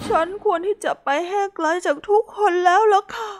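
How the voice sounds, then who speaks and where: A woman's voice: very high-pitched, unhurried, a little hiss or hum, voice pushed up. Woman voicing a tearful young hippo girl. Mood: tearful apology. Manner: apologetic, tearful. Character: shy, clumsy young female hippo. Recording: music underneath.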